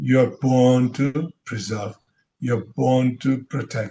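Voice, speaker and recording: This man's voice is somewhat breathy. It has a dark, mellow tone. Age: 60s. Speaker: airline pilot. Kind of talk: casual interview chat.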